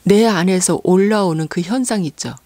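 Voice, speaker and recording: A woman pastor preaching a sermon, earnestly posing rhetorical questions to the congregation and pausing on fillers between phrases. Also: fairly low pitch, dark tone, no room sound.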